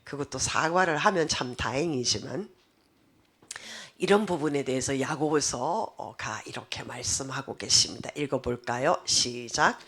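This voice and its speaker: A woman pastor giving a sermon, explaining scripture in an animated way and asking the congregation rhetorical questions. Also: rumbling low, normal speed, breathy edge.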